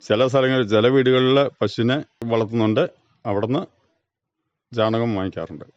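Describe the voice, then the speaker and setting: A man's voice: medium pitch, normal speed, a little mellow, smooth, no room sound. A man with a Kerala accent, a farmer being interviewed, giving brief, plain, matter-of-fact answers. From Kerala, India. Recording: dull, band-limited dry radio recording.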